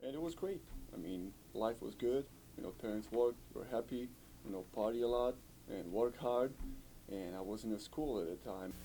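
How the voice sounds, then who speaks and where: A man's voice: mid-range voice, expressive, normal speed, dark tone, a little hiss or hum, low-quality recording. A man from Yugoslavia, recounting his story in an interview, talking fluently and saying "you know" often. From former Yugoslavia. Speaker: refugee interviewee. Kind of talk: recorded interview testimony.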